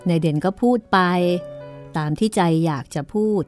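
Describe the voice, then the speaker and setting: A woman narrating a story in a slow, measured storytelling manner. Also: fairly low pitch, mellow, soft background music.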